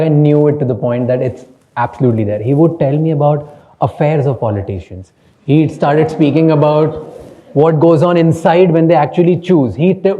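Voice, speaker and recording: On a phone-quality recording, a man with a fairly high pitch, an Indian-accented podcast host whose first language is Hindi, speaks frankly during panel talk, mixing English with Hindi and laughing frequently.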